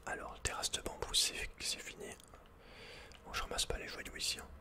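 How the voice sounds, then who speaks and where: A man whispering unhurriedly as he thinks aloud, hosting an ASMR video game playthrough. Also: moderate pace. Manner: whispering throughout. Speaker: ASMR gamer host.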